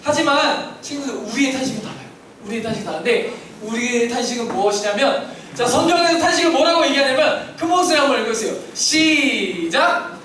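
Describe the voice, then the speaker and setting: With lively intonation and a fairly quick pace, a very high-pitched male children's pastor leads an interactive sermon, questioning kids and drawing call-and-response answers from them. The church hall is very echoey, the mic is distant, and a crowd of children can be heard behind him.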